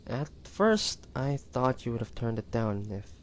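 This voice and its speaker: A man playing a tender, devoted hunter turned immortal in an intimate audio roleplay, speaking haltingly and emotionally to a lover. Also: mid-range voice, sing-song, a little hiss or hum. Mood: tender, earnest. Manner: halting, emotional, breathy sighs and whispers.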